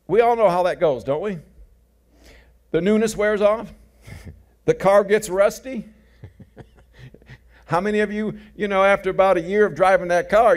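A middle-aged man preaching, with a voice pitched high for a man. He tells folksy stories, slips in jokes and says his main points twice. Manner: folksy storytelling with jokes and repeated key phrases. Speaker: pastor. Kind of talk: sermon.

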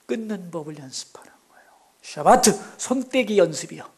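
A middle-aged male pastor preaching a Sunday sermon, asking the congregation questions and swinging between loud exclamations and hushed near-whispers. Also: sits high, animated, normal speed, breathy edge. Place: church sanctuary.

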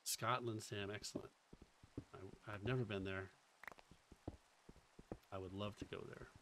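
A man's voice: on the low side, fairly even intonation, unhurried, noisy background. A man with a faint Boston accent, casually thinking aloud and chatting with viewers while streaming a game. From Boston area. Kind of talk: casual live-stream commentary.

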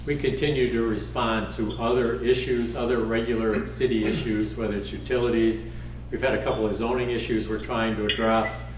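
A man chairing a council meeting as mayor, giving a formal update in a measured way with frequent ums. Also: medium pitch, little pitch movement. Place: wood-paneled council chamber. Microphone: desk microphone from a far camera. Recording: roomy chamber, distant mic, faint hiss.

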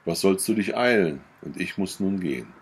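A man voicing a shrewd old widowed farmer in a storybook reading, speaking deliberately. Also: deep voice, animated, slightly rough, exaggerated voice. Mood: measured. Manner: deliberate, measured.

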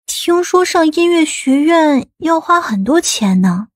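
A woman's voice: very high-pitched, expressive, unhurried, no room sound, clean studio sound. A woman voicing a teenage village girl in an audiobook, an eager aspiring singer with a girlish manner. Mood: aggrieved.

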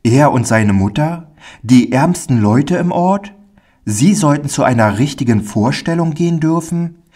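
A man narrating a Christian children's story in a calm, measured reading. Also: mid-range voice. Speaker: audiobook narrator.

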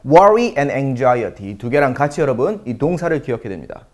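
Lively, animated male English teacher. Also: medium pitch. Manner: animated, emphatic, stretches out English words slowly for drilling. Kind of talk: online language lecture.

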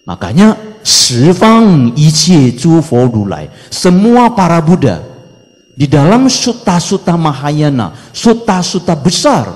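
Monk, male, lively preaching cadence, swells then drops to soft endings; long hall reverb. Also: a little high. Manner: preaching, mixing in Mandarin chant phrases; emphatic rising exhortations, trailing off softly. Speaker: Buddhist monk teacher. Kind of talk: dharma talk.

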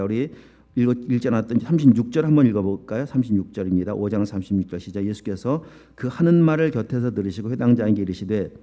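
Male pastor, sermon, animated pitch, warm mellow voice. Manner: lively, emphatic preaching with rhetorical questions. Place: church.

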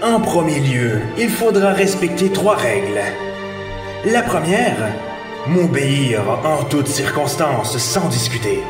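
An actor playing an authoritarian master in an audio drama, solemnly laying down rules with a commanding manner. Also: male voice, fairly high pitch, very animated, slow pace. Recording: echoey distant voice under loud music. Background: loud background music.

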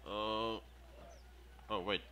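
A man's voice: fairly low pitch, little pitch movement, drawn-out words, sharp tone, a little hiss or hum. A man giving casual commentary over his own gameplay, muttering reactions and repeating the game's lines back. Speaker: gameplay video host.

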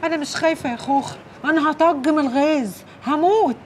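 High shrill Egyptian maid, as an actress plays her. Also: quick pace, a little hiss or hum, lightly acted. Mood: fretful banter. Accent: Egyptian Arabic. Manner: wailing, cursing outbursts. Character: young woman, wronged maid, fiery. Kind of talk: TV drama acting.

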